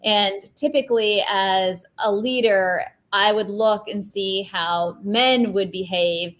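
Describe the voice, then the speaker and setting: A woman film director with a light, higher-pitched voice, speaking earnestly and reflectively as an interview guest. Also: takes it slowly, a bit bright. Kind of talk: conversational interview.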